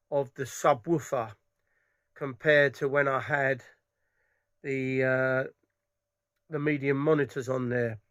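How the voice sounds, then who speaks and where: A middle-aged man giving rambling, enthusiastic impressions of loudspeakers from a dark room at home. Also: medium pitch, no echo, studio quality. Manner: rambling, enthusiastic, many restarts. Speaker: audio hobbyist vlogger. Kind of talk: casual product impressions.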